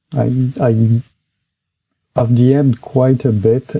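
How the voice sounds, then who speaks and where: The man's voice is somewhat breathy, with a dark, mellow tone. It sounds dry and close, with no echo. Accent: French. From France. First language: French. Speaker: game zine creator. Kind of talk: casual interview. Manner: halting.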